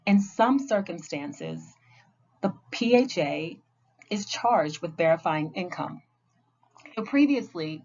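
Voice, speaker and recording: A woman giving a scripted training narration as a compliance trainer, speaking in a clear, measured, instructional way. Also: lowish voice. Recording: dull lo-fi audio.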